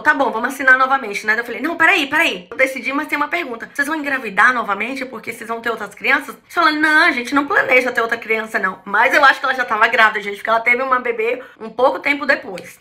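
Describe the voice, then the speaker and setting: Brazilian woman, 30s, Brazilian Portuguese accent. Animated guest storyteller who acts out quotes with a slightly high voice and quick delivery. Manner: animated, acts out quoted speech with pitch jumps. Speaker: guest telling her story. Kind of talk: casual storytelling.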